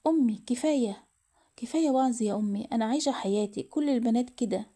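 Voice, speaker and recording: Woman voicing a young Egyptian daughter, curt, defensive, soft dark tone, highish voice. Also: quick pace, close to an everyday voice. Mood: defiant. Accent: Egyptian Arabic. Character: defiant then remorseful teenage daughter.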